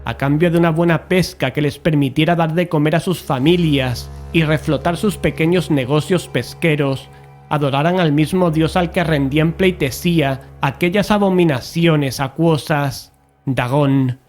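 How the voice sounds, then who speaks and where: A man's voice: on the high side, normal speed, soft background music, lightly acted. A man playing an investigator who chronicles sinister events, narrating an audio drama in a solemn, formal way. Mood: ominous.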